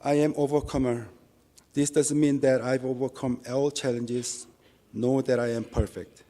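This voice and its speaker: A man with a Korean accent, a native Korean speaker, giving an earnest church testimony in English with a measured, halting delivery and small restarts. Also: medium pitch, level tone, dark tone. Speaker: lay minister giving testimony.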